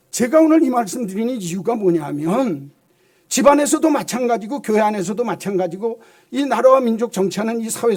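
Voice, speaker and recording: A man with a fairly high voice delivers a sermon from the pulpit. He presses his points hard and keeps turning to the congregation with rhetorical questions. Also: a little mellow. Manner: emphatic, rhetorical questions, often addresses the congregation. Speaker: pastor.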